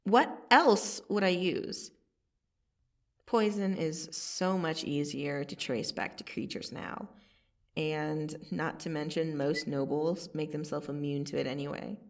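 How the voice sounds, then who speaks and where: Casting: woman to voice female vampire assassin, ASMR audio drama. Gravelly fry, sardonic and casually threatening, slightly off-mic. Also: deep voice, far from the mic. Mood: amused, condescending. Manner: slow, casual, sardonic delivery with long pauses. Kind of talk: ASMR roleplay monologue to the listener.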